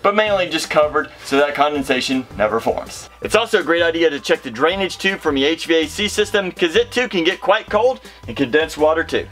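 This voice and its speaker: With lively intonation and hardly any pauses, a middle-aged man speaks a little fast in a slightly high, slightly bright voice as faint music plays behind. He hosts a home improvement show, explaining practical steps to camera in plain instructional language.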